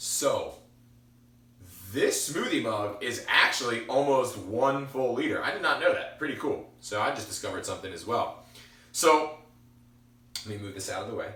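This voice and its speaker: In a Philadelphia accent, a man speaks at a moderate pace with an animated tone, big swings in loudness and long, frequent pauses, with audible room echo and noticeable background noise. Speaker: teacher. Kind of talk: tutorial.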